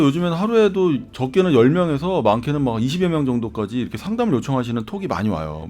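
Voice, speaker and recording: A man's voice: on the high side, a little mellow. A man, an acting coach, giving casual advice to viewers and often checking in with rhetorical questions. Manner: chatty, asks listeners rhetorical questions. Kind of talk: casual YouTube advice talk.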